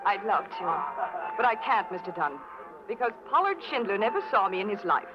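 A woman's voice: medium pitch, very animated, moderate pace, natural voice. An actress playing a poised, skeptical young woman of intrigue in an old radio detective drama, arch and guarded. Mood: amused, guarded. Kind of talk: 1940s-50s radio noir acting. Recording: muffled old radio recording, music behind.

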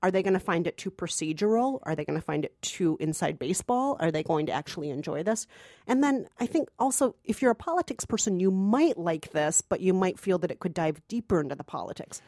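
A woman's voice: lowish voice, lively intonation, fairly quick, darkish tone, no room sound. Emphatic woman, close dry sound. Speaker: podcast co-host, film critic. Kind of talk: casual film review chat.

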